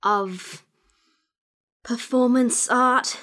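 A woman's voice: a little high, drawn-out words, fairly bright tone. Prim, haughty woman. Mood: cold, disdainful. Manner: formal, clipped, disdainful. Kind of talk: audio drama acting.

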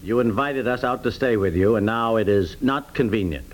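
A man's voice: lowish voice, moderate pace, lightly acted. A man playing a good-hearted but grumbling, easily indignant husband in 1950s American radio comedy. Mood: reassuring.

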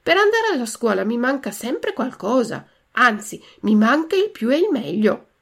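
A woman's voice: on the high side, very animated, moderate pace, gravelly, breathy edge, pitched above the performer's own voice, exaggerated voice. A woman voicing a cheerful, eager wooden puppet boy in a read-aloud storybook.

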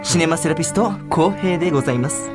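A man's voice: a little high, fast talker, music in the background. Man with heavy cathedral-like echo. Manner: formal, grandiose speech. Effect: heavy echo added to his voice, like a cathedral. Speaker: radio host. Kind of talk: mock-solemn therapist act on a radio show.

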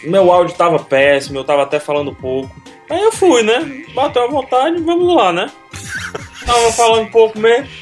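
A man's voice: extremely high pitch, sing-song, normal speed, faint music behind. A man with a Cearense Brazilian accent, a podcast guest telling stories in casual chat with self-deprecating humor. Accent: Cearense Brazilian Portuguese. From Ceará, Brazil.

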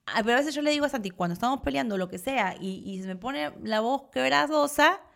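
A woman, co-hosting a casual chat with her partner in an expressive, emotional way. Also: high voice, fast, vocal fry. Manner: expressive, emotional, laughs easily. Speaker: co-host.

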